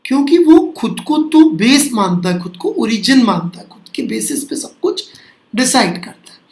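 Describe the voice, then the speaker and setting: A man's voice: very high voice, very animated, moderate pace, a little mellow. A man teaching physics, mixing Hindi with Indian-accented English, asking and answering his own questions. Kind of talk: classroom lecture. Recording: echoey classroom.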